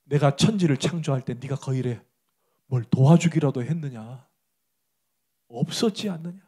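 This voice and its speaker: A pastor acting out God quietly questioning a suffering man within a sermon. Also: mid-range voice, moderate pace, husky, pitched below the performer's own voice, close to an everyday voice. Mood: gentle.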